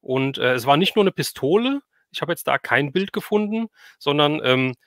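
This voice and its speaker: Middle-aged male streamer, slightly high voice, dry close sound, relaxed conversational storytelling. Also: moderate pace, dry recording. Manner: reminiscing, conversational. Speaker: livestream host. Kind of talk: casual chat.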